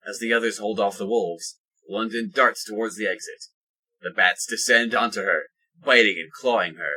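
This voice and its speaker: A man reading scripted third-person narration for an audio drama in a husky voice. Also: lowish voice, pushed and bright, poor audio.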